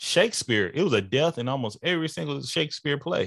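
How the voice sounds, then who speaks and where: A man with a Texas accent speaks with vocal fry. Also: dry, close sound with no echo, very clean recording, silent background. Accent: Southern US, Texas. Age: 30s. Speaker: podcast host. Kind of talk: casual chat.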